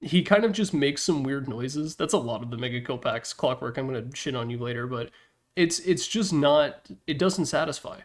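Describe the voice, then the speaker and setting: A man's voice: medium pitch, lively intonation, normal speed. A man giving casual, opinionated video game commentary as a presenter, speaking informally with slangy emphasis. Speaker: presenter ranking game announcer packs.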